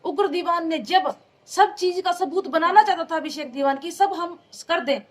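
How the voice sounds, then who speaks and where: A woman's voice: very high voice, moderate pace. A woman giving an urgent, pleading account to a reporter, often addressing him as sir. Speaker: interviewee recounting an assault. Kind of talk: emotional testimony to a reporter.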